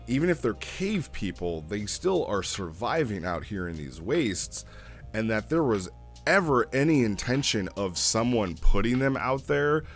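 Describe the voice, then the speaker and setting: A man giving a casual, unscripted review as a host, rambling a little and thinking aloud as he goes. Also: fairly low pitch. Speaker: host reviewing roleplay logs.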